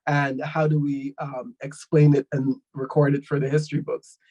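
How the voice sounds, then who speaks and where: Man with a gravelly voice. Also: medium pitch, little pitch movement, moderate pace, warm tone, lo-fi sound. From Guyana. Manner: thoughtful, explanatory, with frequent fillers. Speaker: panelist. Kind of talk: online panel discussion.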